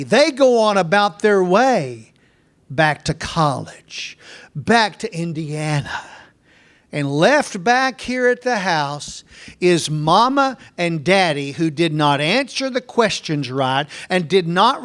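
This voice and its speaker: Folksy bible teacher guy, slow and deliberate, repeats himself to drive it home. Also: a little high, a bit bright. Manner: folksy, earnest, repeats key points. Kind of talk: verse-by-verse Bible lesson.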